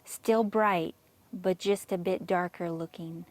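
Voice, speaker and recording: A woman reading a scripted guided meditation in a measured, soothing manner with long pauses. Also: fairly low pitch, steady tone.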